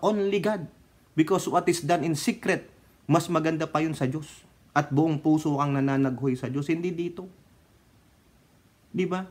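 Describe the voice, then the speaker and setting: A man with a slightly high voice delivers opinionated vlog commentary. He is scornful and chuckles often, dropping into mutters before he bursts out loud. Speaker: political vlogger. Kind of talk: opinionated commentary mixed with Bible storytelling.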